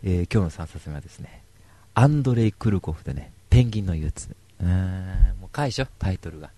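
A man's voice: deep voice, expressive, fast, warm tone, dry recording. Rambling, wry man talking books. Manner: rambling, wry, self-mocking. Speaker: book reviewer. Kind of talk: casual book review monologue.

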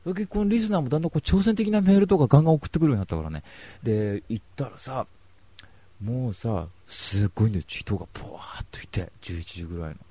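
A young male radio host talks quickly and chattily, his pitch swooping up and down as he jokes through a story. The sound is dry and close, with no room around it. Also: husky, no echo. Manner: animated, joking storyteller. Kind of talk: casual radio talk.

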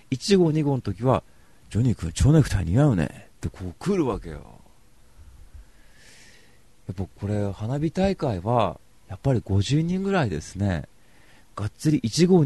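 Lively chatty man telling stories. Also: mid-range voice, no echo. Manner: animated, chatty, slips into acted voices. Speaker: podcast host. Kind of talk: casual monologue storytelling.

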